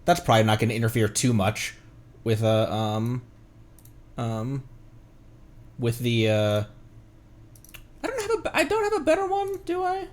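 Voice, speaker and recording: Animated man chatting on a livestream. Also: mid-range voice, measured pace, pauses often. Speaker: streamer. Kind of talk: casual livestream gaming chat with viewers.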